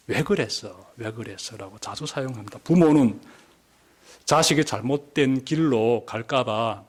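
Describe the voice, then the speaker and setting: Male pastor, mid-range voice, measured church sermon, repeats key words and lifts his voice for emphasis. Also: mid-range voice. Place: church sanctuary.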